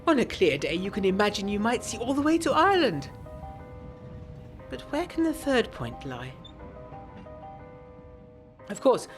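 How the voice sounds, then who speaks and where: A woman's voice: mid-range voice, close to an everyday voice. A woman playing a genteel, secretive young 1920s Englishwoman, narrating a gothic audio drama in a refined, confiding way. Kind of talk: scripted first-person audio drama narration.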